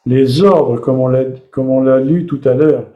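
A man's voice: mid-range voice, steady tone, measured pace. A man preaching a sermon, explaining and reading Bible passages aloud to the congregation. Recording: echoey room, slightly dull sound.

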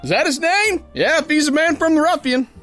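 Actor as a cocky tough boxer, lively delivery. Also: male voice, very high voice, fairly quick, soft background music. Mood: cocky, flirtatious. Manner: folksy slangy tough-guy drawl. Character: tough, cocky, uneducated male sailor boxer telling his yarn. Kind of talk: pulp radio drama narration and dialogue.

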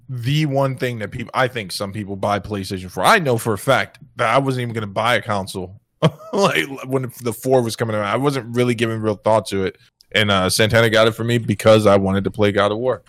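A man's voice: fairly low pitch, fairly quick, fairly bright tone, dry recording, studio quality. A man co-hosting a casual gaming chat, teasing his partner and laughing often. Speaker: podcast co-host.

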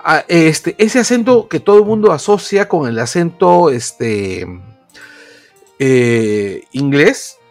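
A man's voice: a little high, very animated, slow, a little mellow, faint music behind. Chatty man explaining at length. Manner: rambling, explanatory, many fillers. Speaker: podcast co-host. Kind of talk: casual chat.

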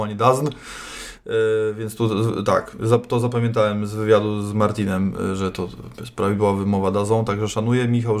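A man co-hosting a casual talk show, often hesitating and restarting his sentences. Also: lowish voice. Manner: hesitant, many restarts and fillers. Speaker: podcast host. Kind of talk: casual chat.

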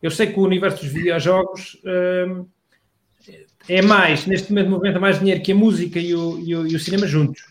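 A man's voice: high-pitched, steady tone, a little fast. A middle-aged man with a European Portuguese accent, chatting casually in laid-back slangy talk. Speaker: comedian and radio host, guest. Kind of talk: casual podcast chat.

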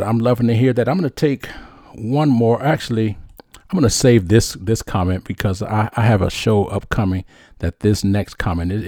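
Male host, low voice, upbeat casual chat, dry close sound. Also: dark tone, no echo. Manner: upbeat, many restarts and fillers. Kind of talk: casual show chat, reading viewer questions.

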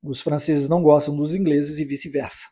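Husky high-voiced man teaching English. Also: little pitch movement, a little fast, mellow. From United States. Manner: explanatory, repeats phrases for the listener to practise. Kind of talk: podcast language lesson.

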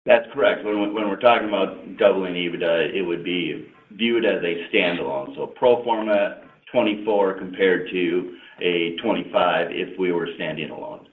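A man's voice: deep voice, normal speed, hardly any pauses. A man speaking as a finance executive on an earnings call, explaining business matters off the cuff and often restarting phrases. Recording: muffled roomy phone conference line.

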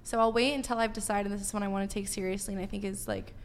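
A woman's voice: medium pitch, steady tone, very fast, slight background noise. Earnest woman guest with faint ambience. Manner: earnest, thoughtful, explains her views. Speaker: panel guest. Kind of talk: casual panel chat.

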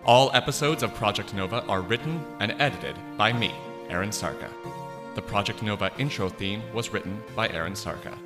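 A man, the show's creator, reading the end credits in a brisk scripted way. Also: lowish voice. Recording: music bed.

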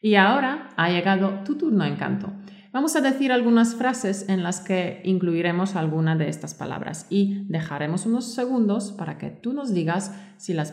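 A woman co-hosting a scripted teaching podcast. She reads example sentences in a clear, friendly teaching tone. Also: on the low side, a little mellow. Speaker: podcast co-host and Spanish teacher. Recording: roomy echo.

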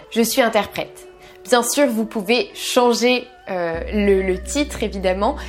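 A young woman teaching a beginner language lesson, upbeat and clear, modeling each word slowly before explaining it. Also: mid-range voice.

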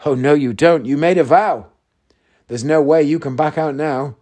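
A man's voice: a little high, moderate pace, dark tone, natural voice. A man voicing a grasping, triumphant ugly stepsister in a storybook rhyme. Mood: triumphant, pushy.

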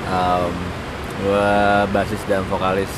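A man's voice: sits low, completely flat delivery, slow pace. A young man, a musician being interviewed, talking casually and hesitantly, searching for words. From Indonesia. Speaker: musician guest, bassist and singer. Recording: outdoor recording with traffic noise.

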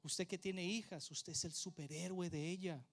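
High-voiced emphatic preacher. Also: male voice, steady tone, normal speed, soft background music. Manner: emphatic preaching, direct address, repeated phrases. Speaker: pastor. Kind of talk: sermon with prayer.

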